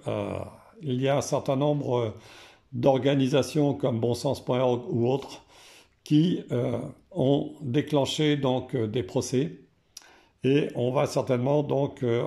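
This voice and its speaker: Hoarse French man, gravelly and mellow, unhurried card reader with frequent fillers. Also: mid-range voice, steady tone. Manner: slow and hesitant, frequent "euh" fillers. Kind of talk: casual explanation to camera.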